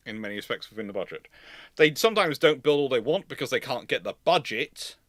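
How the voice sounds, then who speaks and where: A man's voice: mid-range voice, a bit bright, no echo. Discursive man, dry close sound. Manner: discursive, self-correcting, thinks aloud. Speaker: naval history host answering audience questions. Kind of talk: unscripted live question-and-answer talk.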